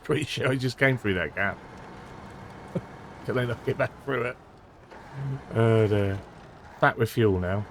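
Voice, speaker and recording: A man's voice: medium pitch, unhurried, pauses often, fairly bright tone, slight background noise. A man, chatting casually through a video game and chuckling often, his voice a little strained. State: voice strained, close to losing it. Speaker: gameplay commentator. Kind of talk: casual let's-play commentary.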